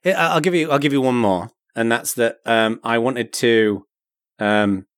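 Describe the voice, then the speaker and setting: A man's voice: mid-range voice, a little slow, fairly bright tone, dry recording, studio quality. A man co-hosting a casual tech podcast, rambling with many restarts and sounding mildly exasperated. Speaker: podcast co-host.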